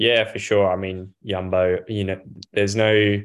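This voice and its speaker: In an Australian accent, a man speaks with very deep, low pitch and monotone, flat intonation at a fairly slow pace. The recording is very clean with a silent background. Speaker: professional road cyclist. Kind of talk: casual interview. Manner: articulate, well-spoken.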